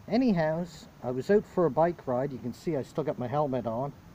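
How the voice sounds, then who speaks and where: Light background noise sits under a man's dark, mellow voice, which keeps a moderate pace with ordinary pitch variation. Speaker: vlogger. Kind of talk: casual vlog chat. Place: street. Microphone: phone near.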